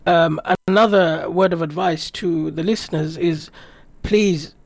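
A man's voice: fairly high pitch, fairly even intonation, a little slow, vocal fry, dry recording. A man in a radio interview who talks in an earnest, reflective, rambling way about a trip. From Britain. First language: English. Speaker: radio guest. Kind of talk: personal travel recollection in a radio interview.

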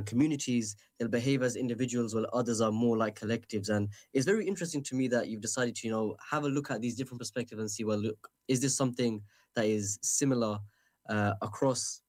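Halting male interviewer. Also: mid-range voice, a little mellow. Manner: halting, many fillers. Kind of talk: interview question.

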